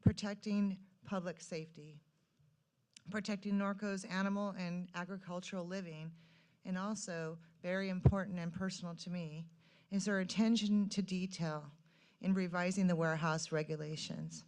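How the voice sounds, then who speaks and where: Low-voiced woman giving prepared public remarks. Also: moderate pace, darkish tone. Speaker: public commenter. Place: city council meeting room, at public podium.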